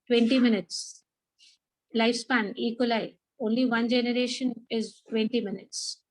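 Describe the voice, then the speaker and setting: In this rough recording, a woman's slightly high voice holds a steady tone at normal speed, with no room sound. She has a South Asian accent and is giving an interactive biology lecture, repeating the main ideas and putting questions to her students.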